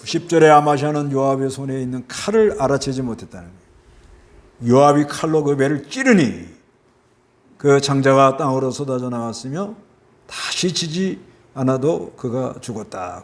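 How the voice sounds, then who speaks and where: A male pastor with a Busan Gyeongsang accent, preaching a sermon in a conversational way, asking his listeners questions and acting out the people in the story. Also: mid-range voice. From South Korea. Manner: conversational preaching with rhetorical questions and acted-out voices.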